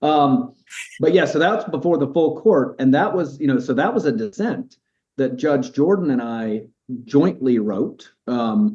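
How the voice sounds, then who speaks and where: A man's dark, mellow tone, fairly high in pitch, with very wide pitch swings at a fairly slow pace. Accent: Alabama. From Alabama. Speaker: federal appellate judge. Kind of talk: casual interview chat.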